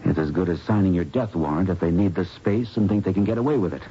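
An actor playing an earnest, protective investigator with a wry, grave manner in a 1970s radio drama. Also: male voice, low voice, fast, slightly rough. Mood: grim, wry. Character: earnest protective male investigator doctor in love. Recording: muffled noisy old radio recording.

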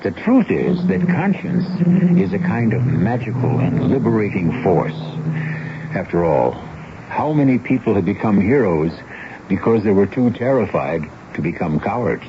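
Deep, theatrical older American radio host. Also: male voice, very animated, background noise. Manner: theatrical, deliberate. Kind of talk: scripted dramatic narration. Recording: muffled old radio broadcast, music behind.

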